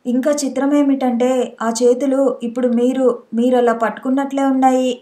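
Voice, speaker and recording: A woman's voice: sits high, level tone, normal speed, dark tone, close to an everyday voice. A woman voicing a frightened young wife who has just woken from a nightmare, in a storybook reading with a breathless, scared manner. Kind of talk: audiobook character voice.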